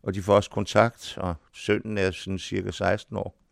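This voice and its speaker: An older man with a very low, gravelly voice tells stories from his past in an interview, unhurried and full of small restarts. He sounds close and dry, with no room around him. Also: flat delivery, no echo. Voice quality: deep voice. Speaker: actor, interview guest. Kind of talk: reminiscing in an interview.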